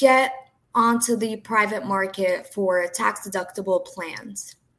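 Fairly high in pitch, a woman speaks at a fairly slow pace. Her pitch variation is ordinary. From Brazil, raised in New Jersey. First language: Portuguese. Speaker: insurance agency owner. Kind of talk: business interview.

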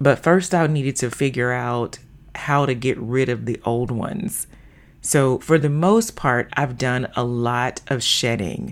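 With a Southern US accent, a woman speaks at a fairly slow pace in a very deep, low voice with ordinary pitch variation. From US South, Arkansas. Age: 50s. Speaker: podcast host, mental health counselor. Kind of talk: personal monologue.

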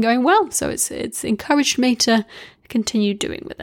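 In a New Zealand accent, a woman speaks with lively intonation and a fairly high pitch on a very clean recording with a silent background. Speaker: podcast host. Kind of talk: casual Q&A monologue; solo true-crime narration. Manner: casual with fillers.

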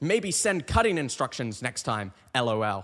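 The speaker has a British accent and an animated tone. The pace is moderate, with very wide pitch swings. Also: man. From United Kingdom. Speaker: podcaster. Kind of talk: casual solo monologue. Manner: animated, humorous.

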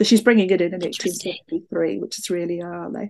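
A woman with a Northern Irish accent speaks at a moderate pace. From Northern Ireland. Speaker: historian, needlework scholar. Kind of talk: interview, informative explanation.

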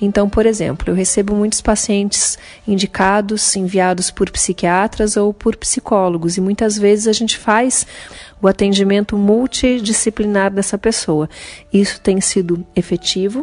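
Speaking at a fairly slow pace, a woman uses a normal speaking voice at medium pitch. Her intonation is fairly even. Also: very even loudness. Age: 40s. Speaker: naturopath and university lecturer. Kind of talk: interview.

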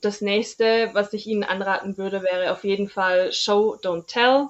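With a medium pitch and ordinary pitch variation, a woman speaks at a fairly slow pace. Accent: Austrian. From Austria, rural mountain village. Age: 20s. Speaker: author. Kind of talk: interview.

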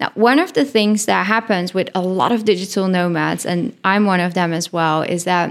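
A woman with a Dutch accent at a moderate pace. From Netherlands. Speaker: podcast host. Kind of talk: solo podcast monologue. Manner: casual, filler-heavy.

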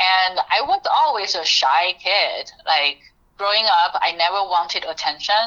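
A woman's medium-pitched voice, fairly slow in pace, with lively intonation. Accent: Chinese. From China. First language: Chinese. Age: 30s. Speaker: diversity and inclusion consultant. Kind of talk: interview. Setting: video call.

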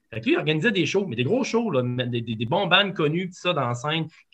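The voice has a Quebec accent and a moderate pace. Its pitch swings very widely. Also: man. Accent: Québécois French. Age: 40s. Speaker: entrepreneur. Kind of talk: casual interview.

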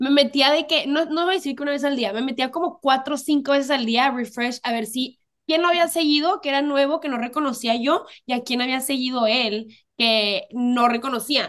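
With a high pitch and ordinary pitch variation, a woman talks at a moderate pace. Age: 20s. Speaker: podcast co-host guest. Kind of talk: casual chat.

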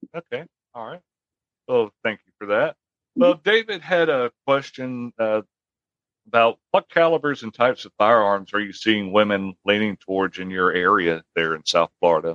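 Recorded with a dry, close sound and no echo, a man in an ordinary speaking voice talks at a moderate pace and a fairly low pitch, with lively intonation and big swings in loudness. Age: 50s. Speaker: podcast host and firearms trainer. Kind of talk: casual interview.

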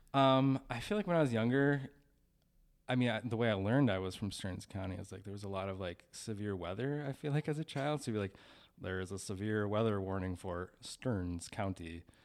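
A man with an American accent and an unremarkable speaking voice talks at a fairly quick pace with a fairly low pitch and ordinary pitch variation, in a very clean recording with a silent background. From Minnesota, Saint Cloud area. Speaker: video producer. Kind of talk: casual chat. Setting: studio.

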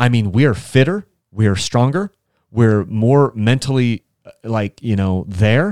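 In a very clean recording with a silent background and a dry, close sound with no echo, a man talks at a fairly slow pace. He has an ordinary speaking voice, medium in pitch, with lively intonation. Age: 40s. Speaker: podcast host. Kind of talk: casual chat. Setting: studio.

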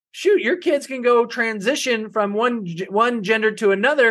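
A man with an American accent, extremely high in pitch, at a moderate pace with ordinary pitch variation. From California. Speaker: podcast host. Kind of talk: reading an article aloud with personal commentary; angry rant. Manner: heated, emphatic, indignant; conversational, informal, with filler words.

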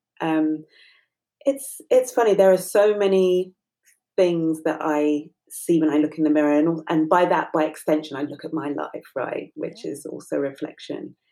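The tone is dark and mellow, with ordinary pitch variation. Delivery moves at a moderate pace. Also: woman, very deep, low pitch for a woman. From West Midlands, England. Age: 40s. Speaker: author and coach. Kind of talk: interview.

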